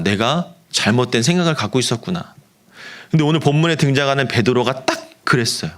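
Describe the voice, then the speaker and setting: A middle-aged man, a pastor preaching a youth sermon, telling a story and acting out the voices in it. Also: medium pitch. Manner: animated, acts out quoted voices of friends.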